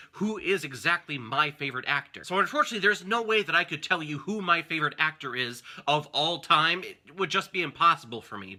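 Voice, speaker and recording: A young man with a very bright, forceful voice that sits fairly high. His delivery is lively and emphatic, swinging up and down as he presents a casual, enthusiastic movie review as host. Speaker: film review show host.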